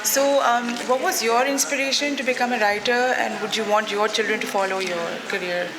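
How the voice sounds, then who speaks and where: A woman's voice: on the high side, fairly even intonation, fairly quick, a crowd in the background. A woman puts questions conversationally as the moderator of a live panel. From Pakistan. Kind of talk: conversational interviewing. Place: live literary festival session. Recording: echoey PA sound, noisy live event.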